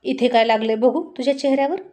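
Woman reading as a calm young husband, teasing gently, slow and sweet. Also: on the high side, natural voice.

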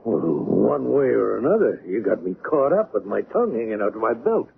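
An actor playing a blunt, impatient police detective in an old-time radio drama, talking in a colloquial way. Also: male voice, lowish voice, sing-song, moderate pace, creaky. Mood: impatient, eager. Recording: tinny, noisy old radio recording.

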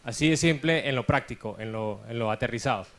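A man's voice: mid-range voice, fairly quick, a bit bright. A man from Venezuela with a Venezuelan accent, making a spontaneous comment from a conference audience.

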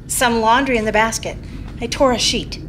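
A woman's voice: fairly high pitch, moderate pace, background noise, close to an everyday voice. A woman playing a bitter, long-suffering, exasperated wife in a radio play. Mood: worried, subdued. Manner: biting, exasperated. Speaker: actor in a staged radio play. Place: theater stage. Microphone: stand microphone.

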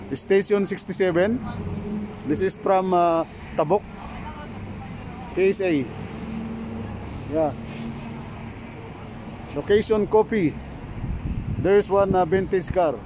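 A middle-aged man casually vlogging outdoors through a face mask, in halting, repetitive simple phrases. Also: high-pitched. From Philippines. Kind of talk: casual selfie vlog narration. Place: outdoors at a food truck park. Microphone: phone at arm's length. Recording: clear outdoor street and traffic noise.

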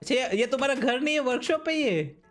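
A man's voice: extremely high pitch, animated, fast, faint music behind. A man hosting a gaming channel, chatting casually while playing with friends, playful and teasing, laughing often. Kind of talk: casual gameplay chat with a friend.

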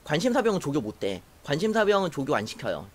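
A young woman telling a personal story to camera in a casual, animated way, acting out what others said. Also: low voice, quick pace. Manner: animated, acts out quoted voices, laughs while telling. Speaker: YouTuber.

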